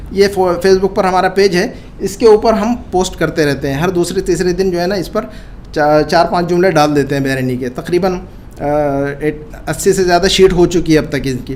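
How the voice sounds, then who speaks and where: A man's voice: high-pitched, a little hiss or hum. A man teaching an Arabic class to Urdu speakers, drilling words by repetition and stressing careful pronunciation. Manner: repeats phrases slowly and stresses pronunciation.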